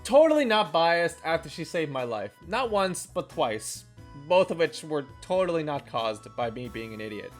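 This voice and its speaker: A video game reviewer and channel host narrates a scripted video in an animated, tongue-in-cheek way, his pitch swinging lively around a medium range. He speaks at normal speed with few pauses while faint music plays underneath.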